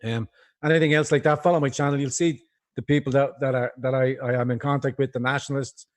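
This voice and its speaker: A man's voice: mid-range voice, steady tone, fast. A man with a Dublin accent, a guest on a livestream interview, talking in a rambling, impassioned way over a video call. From Ireland.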